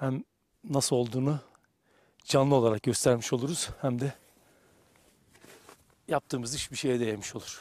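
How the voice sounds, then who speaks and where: A man's dark, mellow voice with fairly even intonation at a moderate pace, dry with no echo. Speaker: bushcraft demonstrator. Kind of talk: tutorial. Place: forest.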